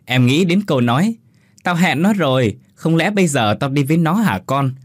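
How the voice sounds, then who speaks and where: Một con ma nhỏ ranh mãnh, do một người đàn ông đóng, nói giọng cao đầy trêu chọc như trong truyện kể ma. Âm thanh khô, không vang phòng. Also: male voice, animated, normal speed, no echo, studio quality. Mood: teasing glee. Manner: raised pitch, teasing, giggling. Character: mischievous little ghost boy, giggly prankster.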